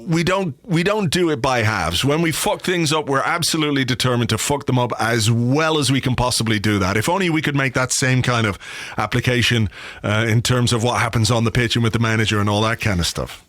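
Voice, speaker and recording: Guy with a cold, bit croaky, dry sweary jokes on his podcast, dead dry close mic. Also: mid-range voice, brisk, fairly bright tone, dry recording. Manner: dry, sweary, self-mocking humour. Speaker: podcast host. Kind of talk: casual football podcast chat. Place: home office. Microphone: studio microphone.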